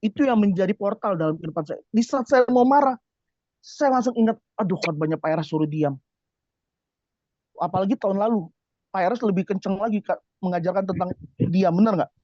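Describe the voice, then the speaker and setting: A man giving a preaching testimony to a congregation, telling his story in an animated way and asking the listeners rhetorical questions. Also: sits high, fast talker, no echo. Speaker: church office worker giving a testimony. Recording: dull, dry lo-fi recording.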